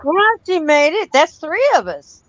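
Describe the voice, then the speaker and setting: A woman's voice: high-pitched, very animated, unhurried, muffled recording, a little hiss or hum. A woman with a Texas twang hosting a casual live-stream chat and greeting viewers by name. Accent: Texan. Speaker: host.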